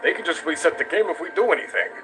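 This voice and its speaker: A man's voice: on the high side, very fast, sharp tone, faint music behind. A man voicing a reluctant, pragmatic young skeleton in a comic dub, casual and skeptical. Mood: reluctant, reasoning.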